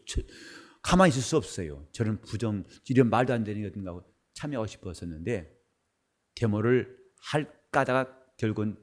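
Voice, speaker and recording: Hoarse, animated Korean pastor. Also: male voice, mid-range voice. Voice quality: husky from a worn voice. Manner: animated, swings between loud outbursts and quiet asides. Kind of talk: sermon. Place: church sanctuary.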